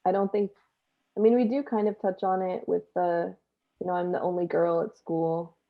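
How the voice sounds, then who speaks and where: A woman's voice: fairly low pitch, little pitch movement, moderate pace. A woman performer chatting casually as a panel guest, heard over thin, narrow video-call audio.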